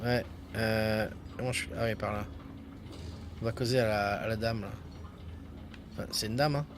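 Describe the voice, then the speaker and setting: Offering casual commentary while he streams a video game, a man mutters jokey asides in a fairly low, fairly even voice that runs a little fast. Loud video game sound fills the background.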